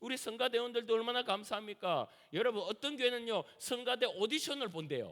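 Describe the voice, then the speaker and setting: In a Daegu accent, a man speaks at a fairly quick pace in a raised, projected voice with an extremely high pitch and a bright, sharp, animated tone, on a very clean recording with a silent background. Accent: Gyeongsang (Daegu) dialect. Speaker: pastor. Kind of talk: sermon. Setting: church.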